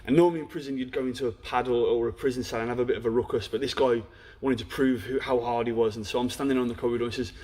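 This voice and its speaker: Guesting on a podcast, a young Black Country man rattles quickly through a candid account of his life. His medium-pitched voice has a darkish tone and fairly even intonation, and he's frank and plain-spoken, dropping "you know" often.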